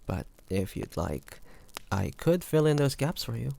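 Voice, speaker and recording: Man acting as a creaky-voiced, flirty royal bodyguard. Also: mid-range voice, big pitch swings, a little mellow, heavily acted. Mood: playful, flirty. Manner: playful, teasing, halting pauses, often chuckling. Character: flirty, teasing male bodyguard to a royal noble. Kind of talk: intimate fantasy audio roleplay acting.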